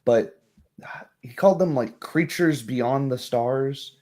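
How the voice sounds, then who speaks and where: Man playing slow-spoken, guarded townswoman. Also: mid-range voice, darkish tone, lightly acted. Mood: wary, hushed. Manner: hesitant, measured, picking words carefully. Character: guarded, plain-spoken townswoman talking over local mysteries.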